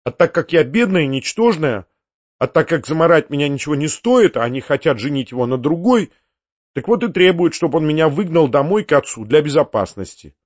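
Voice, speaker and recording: A man's voice: a little high, lively intonation, a little fast, dry recording. A male reader voicing an earnest, reproachful young woman who pleads and scolds in rising exclamations. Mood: bitter. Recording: dull, muffled audiobook recording.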